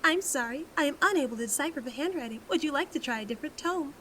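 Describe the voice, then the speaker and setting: A female shipboard AI with a high voice and an imperturbably courteous manner. She is formal and literal, offering calm help in a sci-fi audio drama, over faint background noise. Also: quick pace. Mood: polite, helpful. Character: polite, unflappable female AI ship assistant.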